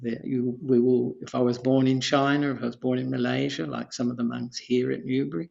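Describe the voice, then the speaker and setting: A gravelly-voiced man in his seventies, an Australian monk, talks through his ideas in an unhurried, rambling way. He repeats himself for emphasis and laughs softly. The audio sounds dull and lo-fi. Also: mid-range voice, flat delivery. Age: 70s. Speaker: Buddhist monk, podcast guest. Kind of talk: unhurried teaching talk.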